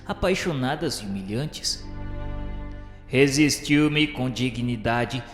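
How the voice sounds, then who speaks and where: A man's voice: mid-range voice, natural voice. Radio drama role: embittered, obsessive male inquisitor played by a man, Brazilian accent, solemn theatrical narration, echoing hall, music underneath. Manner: solemn, literary, theatrical delivery. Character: embittered, obsessive inquisitor recalling forbidden love and rivalry. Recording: echoey hall reverb, music behind.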